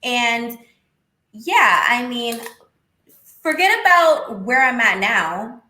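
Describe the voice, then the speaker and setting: A woman in her thirties with a high-pitched voice, talking in a casual, outspoken way as a guest on a video call interview. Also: takes it slowly. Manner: animated, outspoken, swears casually. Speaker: interview guest, former wrestler. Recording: echoey room.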